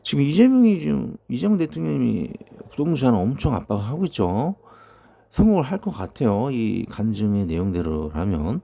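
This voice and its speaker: A man's voice: mid-range voice, sing-song, moderate pace, creaky, mellow. A man in his fifties preaching a sermon, reading out prophecies and commenting on them in a loose, conversational way with many fillers. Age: 50s. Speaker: pastor.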